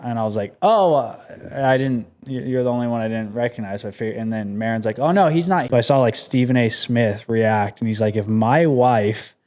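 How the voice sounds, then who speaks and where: A young man with a voice of ordinary male pitch rambles easily through his stories. He co-hosts a podcast and keeps the chat loose and informal. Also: fairly quick, hardly any pauses, a little mellow. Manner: laid-back, rambling anecdotes. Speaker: podcast co-host. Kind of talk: casual chat.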